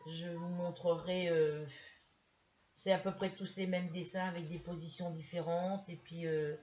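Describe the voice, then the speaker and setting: A woman's voice: lowish voice, level tone, a little slow, darkish tone, highs cut off. A middle-aged woman from France chatting casually in a haul video, hesitant and full of restarts as she shows a purchase. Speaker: craft vlogger.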